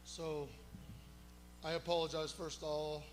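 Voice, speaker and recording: A man giving public comment as a parent at a school board meeting. He talks loudly and rambles, with many fillers. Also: a little high, level tone, unhurried. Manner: loud, rambling, filler-heavy speech. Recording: echoey hall with background hum.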